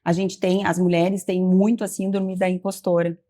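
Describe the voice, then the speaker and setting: A woman's voice: on the low side, level tone, normal speed, dark tone. A woman, a communication trainer who explains and gives advice in an assured, instructive way. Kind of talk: expert explaining on a talk show.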